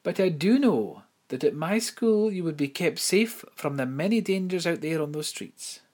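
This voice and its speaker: A man's voice: a little high, animated, normal speed, darkish tone, pitched above the performer's own voice. A man voicing a prim, genteel headmistress who coaxes and fusses in a storybook reading. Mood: coaxing. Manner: genteel, coaxing, fussy. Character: prim genteel headmistress, woman, persuasive and sympathetic. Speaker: school headmistress.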